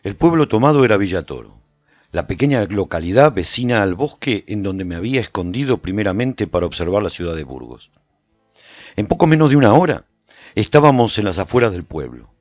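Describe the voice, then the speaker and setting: Solitary warrior over music. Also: male voice, on the low side, sing-song, a little fast, a little mellow, no room sound, lo-fi sound. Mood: solemn, dramatic. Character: solitary male warrior recounting his battles in first person. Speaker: narrator of a radio serial. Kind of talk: dramatized scripted radio narration.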